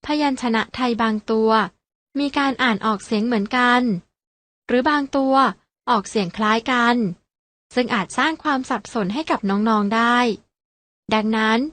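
A woman's voice: on the high side, normal speed, a bit bright, dry recording. A woman teaching a Thai language lesson to young children, speaking patiently and encouragingly as she leads them through the letters.

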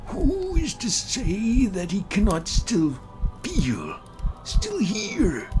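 A man voicing an elderly, insistent and theatrical gentleman doctor in a dramatized horror story. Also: sits high, wildly swooping pitch, extremely slow, over music, voice pushed up, full character voice. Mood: insistent, excited. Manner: emphatic, theatrical, repeats himself. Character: elderly male doctor friend, genial, insistent, argumentative host.

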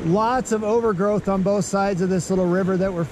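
A man in his thirties hosting a fishing vlog outdoors by a mountain river, talking excitedly and saying "dude" a lot. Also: high-pitched, a little fast. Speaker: fly fishing show host. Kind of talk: casual outdoor vlog narration. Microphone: body-worn action camera. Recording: faint wind and river noise.

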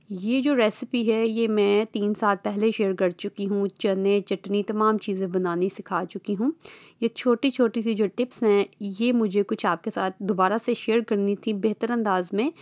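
A woman's voice: medium pitch, dry recording, muffled recording. A woman with a Lahori accent giving a patient, step-by-step voice-over for a home cooking lesson. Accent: Lahori Urdu-Punjabi. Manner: patient step-by-step instructing, often checking in with listeners. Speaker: cooking channel host. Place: voice-over recorded apart from the kitchen footage.

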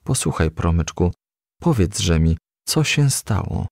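A man reads as a motherly storybook woman who counsels frankly and kindly. The voice swings widely in pitch, with a creaky edge, as it coaxes and gently scolds. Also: very animated, slow, no room sound, studio quality, heavily acted. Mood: worried, tender. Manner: gently admonishing, coaxing. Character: kind, frank, motherly female advisor to a young firefly.

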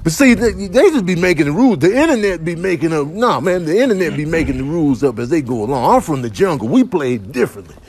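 A man's voice: a little high, expressive, quick pace, hardly any pauses, darkish tone. A man with an American accent voicing a cocky, confrontational animal in slangy comic voice-over. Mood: grumbling. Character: brash, streetwise male animals, cocky and quick to take offence. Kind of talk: comic animal voice-over, improvised trash talk.

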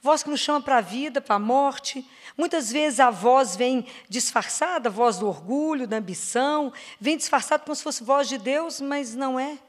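A woman with a Brazilian Portuguese accent preaching a sermon to a parish prayer group. She asks her listeners questions, slows down on words she stresses and drops to a soft, low voice on key phrases. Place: church or parish hall.

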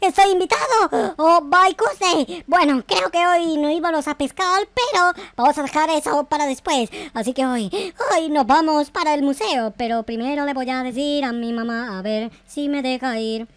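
A gaming host with a high cartoonish voice, doing playful, exclamatory Minecraft roleplay with swearing and bits of English. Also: sharp tone, no echo. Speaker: YouTube gaming host playing a roleplay character. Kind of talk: improvised Minecraft roleplay commentary.

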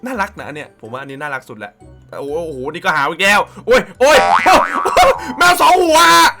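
Reaction host: an excitable man who swears freely, with a high voice that swings wildly, over background music. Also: fairly quick. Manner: excitable, swears a lot, many exclamations. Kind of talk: casual reaction commentary.

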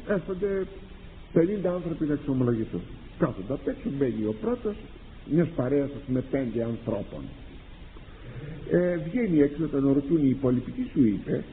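A man, a priest and confessor, delivering a sermon with animated rhetorical questions and acted-out exchanges. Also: sits high, slight background noise. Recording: tinny lo-fi archive recording in a reverberant hall.

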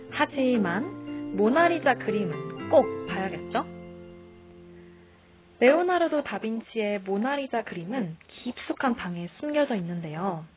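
A woman's voice: mid-range voice, muffled recording. A young woman narrating a walking tour, speaking cheerfully and directly to her viewers. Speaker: tour guide. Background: music.

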